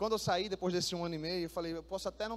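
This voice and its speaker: Here a man with a high pitch speaks in fairly even intonation. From northern Brazil (Pará, Altamira). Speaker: pastor. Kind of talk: sermon.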